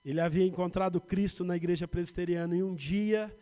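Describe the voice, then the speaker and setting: A man with a São Paulo Brazilian accent preaches from the pulpit. His voice sits fairly high, rising on emphatic lists and sinking into quiet personal asides. The sound carries a long reverb from the church hall. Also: fairly even intonation, a little fast. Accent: Brazilian Portuguese, São Paulo. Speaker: pastor. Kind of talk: sermon. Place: church sanctuary.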